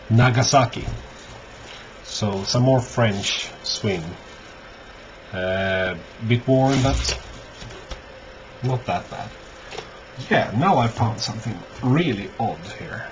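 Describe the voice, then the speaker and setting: A man giving a casual, unscripted show-and-tell as a collector, halting often and thinking aloud. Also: mid-range voice. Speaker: record collector presenting finds. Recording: dull lo-fi audio, clear background noise.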